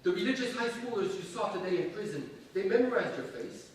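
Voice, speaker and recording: Theatrical bullying strongman, high voice, declamatory, deliberate pauses, distant stage recording. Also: expressive. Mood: menacing lecturing. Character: domineering secularist strongman actor, menacing and theatrical, middle-aged. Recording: echoey stage from afar, faint noise.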